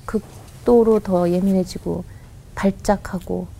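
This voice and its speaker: Woman, radio interview guest, earnest, halting restarts, warm mellow tone. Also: medium pitch, steady tone, creaky, slight background noise, rough recording. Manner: acts out quoted voices in her story. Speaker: guest, company head. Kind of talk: personal storytelling in a radio interview.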